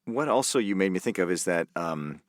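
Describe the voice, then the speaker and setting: Podcast host, male, lower register, thoughtful, halting delivery. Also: animated, no echo, studio quality. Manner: reflective, restarts phrases often. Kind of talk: casual interview chat.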